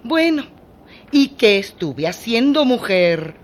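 An actress playing a vain, insecure middle-aged housewife in a radio drama, with an evasive, condescending manner. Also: female voice, a little high, sing-song, slow pace, a little hiss or hum. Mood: threatening. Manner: evasive, condescending, turns threatening. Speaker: mistress of the house.

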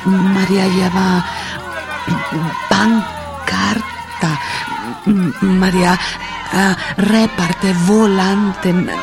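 An actress playing a displaced woman in a radio drama, recounting hardship in broken, with halting fragments and repeated words. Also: medium pitch. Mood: earnest, determined. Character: sad, displaced woman haltingly recounting losing her home.

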